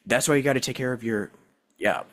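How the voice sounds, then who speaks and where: A man's voice: mid-range voice, a little fast, background noise. A man from Southern California hosting a casual voice-acting interview, rambling with lots of fillers and laughing easily. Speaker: podcast host.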